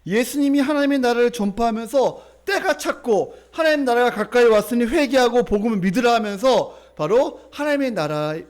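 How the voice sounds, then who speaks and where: A male pastor delivers a sermon in church. His voice sits high for a man and moves lively up and down as he tells his story. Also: normal speed, few pauses. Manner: animated storytelling, acting out the people in his story.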